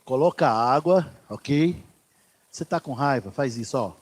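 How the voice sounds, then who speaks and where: A pastor preaching a sermon in church, swinging from loud declarations to hushed asides. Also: male voice, medium pitch, lively intonation, a little slow.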